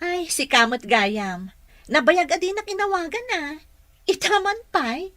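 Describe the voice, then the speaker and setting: A woman's voice: very high voice, lively intonation, measured pace, a bit bright, no room sound, heavily acted. A Filipino woman playing a patient caregiver in a radio drama, politely coaxing and encouraging. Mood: pleasantly surprised. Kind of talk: Ilocano radio drama acting.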